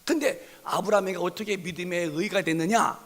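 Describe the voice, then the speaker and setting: A male pastor preaching a sermon, telling a story with lively acted-out dialogue and shouted lines for emphasis. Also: high voice, a little fast, in a large hall.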